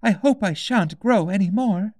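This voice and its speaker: A man's voice: high-pitched, animated, moderate pace, darkish tone, no room sound, studio quality, pitched above the performer's own voice. A man voicing an earnest, wistful, polite young girl in a storybook tale. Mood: worried.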